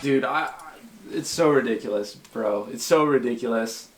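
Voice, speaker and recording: A man's voice: medium pitch, normal speed, faint music behind. A man hosting a casual comedic reaction chat, repeating phrases for emphasis. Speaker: host. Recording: faint background noise.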